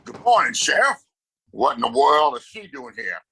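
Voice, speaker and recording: A man's voice: mid-range voice, very animated, moderate pace, noisy background. A man playing a domineering, scornful wealthy father and town boss in a Western audio play, condescending and commanding. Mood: surprised, authoritative.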